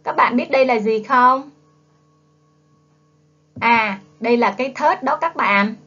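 A woman with a Southern Vietnamese accent leads a primary phonics lesson in a fairly high voice. She speaks very slowly and drills the children patiently. The recording sounds dull and lo-fi. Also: pushed and bright. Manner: coaxing, prompts children to repeat. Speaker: primary school teacher. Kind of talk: slow, drawn-out phonics lesson for young children. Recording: dull lo-fi classroom video audio.

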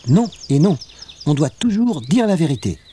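A man voicing a stubborn, outspoken little girl in a children's audiobook, talking high and insistent. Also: sing-song, warm tone, slight background noise. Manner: high, insistent, quick when arguing.

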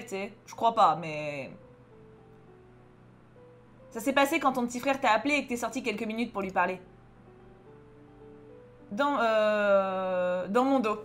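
A French-accented young adult woman streams a story game in a mid-range voice, reading the game's dialogue aloud and chatting casually. She jokes a lot and is very expressive, with loud bursts alternating with muttering.

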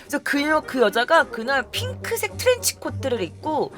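Young woman, vlogger, casual storytelling, acts out quoted voices, lively swinging pitch, soft music underneath. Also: normal speed. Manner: animated, acts out quoted people.

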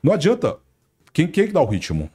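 Brazilian man, TV presenter guest, fast husky lively talk, low voice. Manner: animated, acts out quotes of colleagues. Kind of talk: casual podcast chat.

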